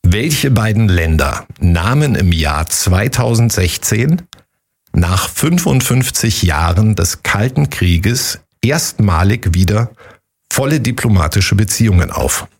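Husky, fairly low male quiz co-host. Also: lively intonation, slow pace. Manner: joking, chatty storyteller. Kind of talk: casual quiz chat.

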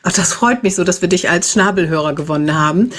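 A woman in her fifties, a guest animal communicator, talking in a lively, chatty way with frequent tag questions. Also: on the low side, fast. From Germany, raised in the Netherlands. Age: 50s. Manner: lively, talkative, fillers like "ne". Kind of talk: casual interview.

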